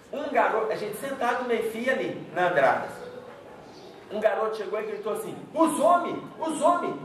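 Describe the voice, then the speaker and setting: High-voiced man lecturing in an echoey hall. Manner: storytelling, acts out dialogue, frequent "tá?" check-ins. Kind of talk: spiritist lecture with audience questions. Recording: echoey hall from far off, noisy.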